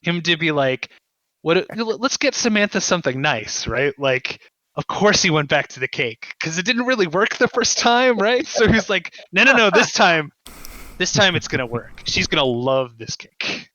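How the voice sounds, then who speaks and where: A man speaking as a podcast guest, discussing fiction in a reflective, analytical way with deliberate emphasis. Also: high voice, very animated, pushed and bright, no echo, low-quality recording.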